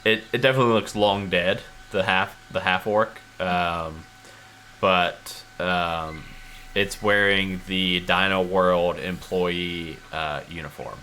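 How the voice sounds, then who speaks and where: A man running a tabletop game as game master, narrating casually and haltingly as he thinks aloud. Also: sits low, fairly even intonation, bright, forceful tone, slight background noise.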